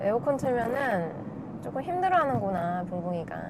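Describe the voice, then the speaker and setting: A woman speaks at a fairly slow pace in an animated tone, her pitch swinging very widely. Noticeable background noise runs behind her. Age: 20s. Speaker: car reviewer. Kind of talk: casual review while driving. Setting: in a car on highway. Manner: conversational, animated.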